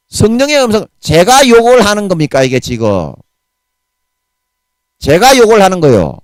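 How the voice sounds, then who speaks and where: A man's voice: high-pitched, fairly bright tone, no room sound. A man in his forties with a Gyeongsang Korean accent, preaching a sermon in a fiery, blunt way laced with harsh curses. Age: 40s.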